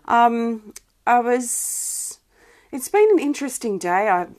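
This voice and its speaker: A woman's voice: a little high, expressive, slow. Wheezy woman streaming healing guidance. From Australia. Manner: soft, gentle, greets viewers by name, many ums and restarts. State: wheezy, irritated lungs. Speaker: spiritual healing guide on a live stream. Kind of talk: live-streamed spiritual chat.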